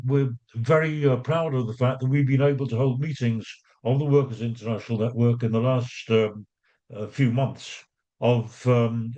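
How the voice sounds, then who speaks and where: A man's voice: mid-range voice, darkish tone. Guy chairing a video call, lots of uhs and ums, kinda muffled lo-fi sound. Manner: hesitant, many fillers and restarts. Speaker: meeting chair. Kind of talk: online meeting introduction.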